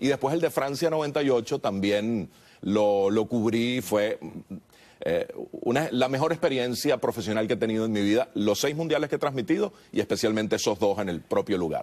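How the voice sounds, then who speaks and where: A man's intonation is lively, and his pace stays moderate. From Venezuela. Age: 50s. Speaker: sports journalist. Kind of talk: TV interview. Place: studio.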